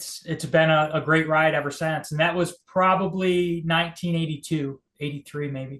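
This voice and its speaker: Speaking at a moderate pace with hardly any pauses, a man with a fairly high pitch keeps a monotone, flat intonation. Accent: American. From upstate New York. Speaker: lacrosse broadcaster. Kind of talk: podcast interview answer.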